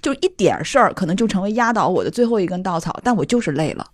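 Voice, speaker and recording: Woman teacher guest, 40s, expressive storytelling delivery with plenty of laughter, dry studio sound. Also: fast, no echo. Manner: animated storyteller, laughs often, softens to a gentle low voice when quoting herself. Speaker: middle school teacher, guest. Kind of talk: casual chat, telling classroom stories.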